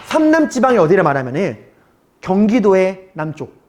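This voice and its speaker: A man's voice: high-pitched, very animated, moderate pace, darkish tone, slight background noise. A man teaching a middle school history class in a recorded online lecture, talking to his students casually and asking them rhetorical questions. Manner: switches between polite and casual speech.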